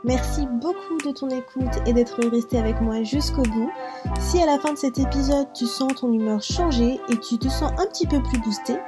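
A woman reading a smooth, scripted podcast sign-off. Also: sits high, normal speed. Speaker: podcast host. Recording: voice over clear background music.

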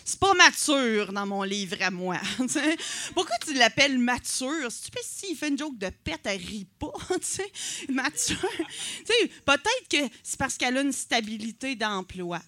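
A woman's voice: high voice, sing-song, unhurried, bright, forceful tone, dry recording. A woman in her forties from Quebec City with a Quebec French accent, doing a chatty, self-mocking stand-up set with lots of filler words. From Quebec City, Canada. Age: 40s. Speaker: stand-up comedian. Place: comedy night on stage.

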